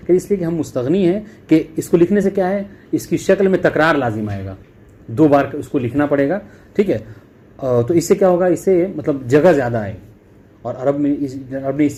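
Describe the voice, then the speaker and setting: A man with a dark, mellow voice teaches Arabic grammar to a class. He reads the Arabic text slowly before explaining it in quicker talk. He checks again and again that his students have understood, with faint background noise. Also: medium pitch. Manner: keeps checking understanding with "clear?" and "okay".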